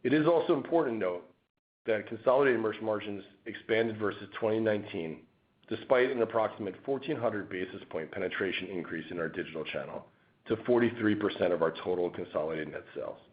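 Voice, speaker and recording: Male corporate finance presenter, fairly low voice, formal measured read of a prepared report, muffled lo-fi conference-call sound. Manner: formal, measured reading of figures. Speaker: company finance executive. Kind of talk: scripted earnings-call presentation. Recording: dull, lo-fi conference call audio.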